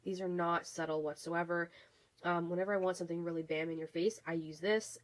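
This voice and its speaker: Woman, beauty vlogger, low-pitched, casual gushing review, lots of fillers, recovering from a cold. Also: steady tone, brisk. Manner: chatty, many fillers and restarts, gushing. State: getting over a cold, coughing.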